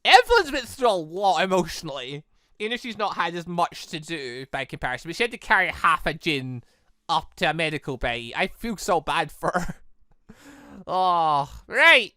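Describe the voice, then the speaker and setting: Male game streamer, crisp and bright, rambling excitably through playthrough commentary. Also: a little high, normal speed, dry recording, studio quality. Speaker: gaming video host. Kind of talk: playthrough commentary of a visual novel.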